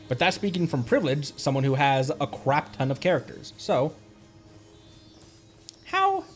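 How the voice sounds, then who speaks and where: A man hosting a game livestream, chatting casually with viewers and rambling as he thinks aloud. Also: mid-range voice. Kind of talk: casual gaming chat with viewers.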